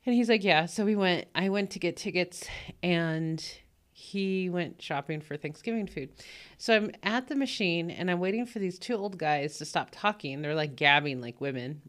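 Low-voiced woman rambling casually. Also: moderate pace, a bit bright. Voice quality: low voice, morning voice. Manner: rambling, frequent fillers and laughs. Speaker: podcast host. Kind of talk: casual spoken anecdote.

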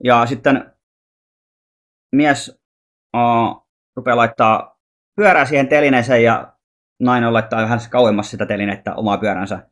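A man's voice: medium pitch, steady tone, pauses often, fairly bright tone. A man with a Finnish accent, talking casually and rambling as he retells a film scene, acting out what the people in it say. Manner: rambling, many restarts, acts out the lines of the people in the story. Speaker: vlogger. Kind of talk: casual storytelling, retelling a dream as a film script.

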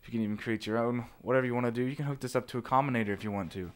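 A man narrating a software tutorial informally, explaining things step by step. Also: medium pitch, rapid-fire. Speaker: tutorial presenter.

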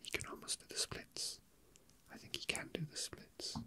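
An ASMR host whispering casual, unhurried chat close to the mic, musing to themselves while handling small objects. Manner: hushed, unhurried, musing to self.

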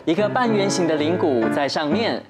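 A man's voice: fairly high pitch, sing-song, normal speed. A young man with a Taiwanese Mandarin accent presenting a children's show, talking playfully and simply as if to toddlers. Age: young adult. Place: TV studio. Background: music.

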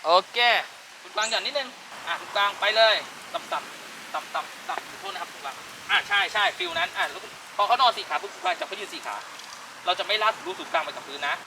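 A man coaches dog owners outdoors, talking quickly and giving one instruction after another. His voice is high and gravelly. He sounds set back from the mic, with traffic and dogs clearly heard behind him. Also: very animated, distant mic. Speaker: dog trainer. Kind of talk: coaching owners during a dog training session.

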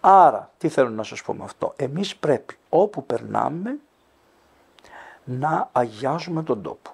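A man's voice: mid-range voice, sing-song, gravelly, darkish tone, slightly rough. An older man, a Greek Orthodox priest, talking earnestly in an interview and telling stories with quoted dialogue. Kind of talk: interview answer, storytelling.

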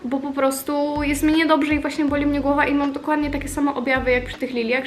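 A woman's voice: high-pitched, a little hiss or hum. A young woman chats casually to her followers as a vlogger, telling things in an informal, confiding, rambling way. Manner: informal, confiding, rambling storytelling with occasional swearing. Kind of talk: casual chatty vlog talk to followers.

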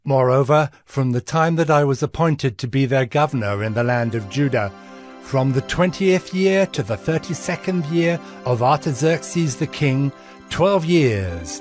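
A man playing a righteous governor narrating his deeds in a dramatized scripture reading, measured and earnest. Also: medium pitch, close to an everyday voice. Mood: earnest, resolute. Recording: music bed behind the voice.

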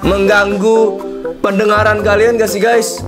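A young adult man hosting a casual livestream, slangy and excitable, repeating his phrases, with a slightly hoarse voice. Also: high voice, unhurried, music in the background. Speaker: livestream host. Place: indoor streaming desk.

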